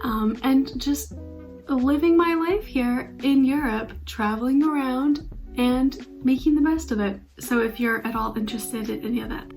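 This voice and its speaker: A woman's voice: a little high, a little mellow. A young woman from Canada with a Canadian accent, chatting casually and upbeat in a travel vlog. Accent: Canadian English. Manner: chatty, upbeat, laughs easily. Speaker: vlogger.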